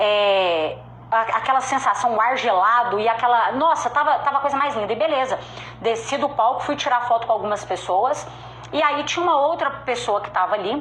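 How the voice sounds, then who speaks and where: A woman with a strong Minas Gerais accent speaks in a high pitch with an animated tone and lively intonation, over noticeable background noise. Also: moderate pace. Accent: strong Minas Gerais (mineiro). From Brazil, interior of Minas Gerais. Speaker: motivational speaker, sales trainer. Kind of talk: motivational talk to an online audience. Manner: animated, expressive.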